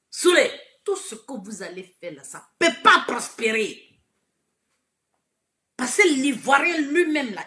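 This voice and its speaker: A woman with an Ivorian French accent giving an impassioned, preachy live video address, swinging from shouted lines to hushed asides. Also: high voice. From Côte d'Ivoire. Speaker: online commentator.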